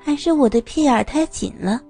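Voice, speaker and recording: Mellow-voiced woman narrating intimately. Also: high voice, lively intonation, fairly quick, gravelly, breathy edge, faint music behind. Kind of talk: first-person adult audio story narration.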